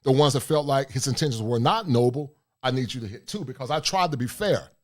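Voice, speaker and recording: A middle-aged man with a deep voice, hosting a livestream talk show, speaking forcefully and reading shout-outs from the chat. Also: a little fast. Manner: forceful, preachy, reads chat aloud. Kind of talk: casual livestream monologue.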